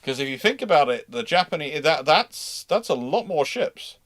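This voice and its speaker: A man's voice: fairly high pitch, sing-song, normal speed, fairly bright tone, dry recording. Man hosting a rambling live history Q&A. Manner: rambling, often restating and self-correcting mid-sentence. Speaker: host of a live naval history Q&A. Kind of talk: live history discussion, answering questions.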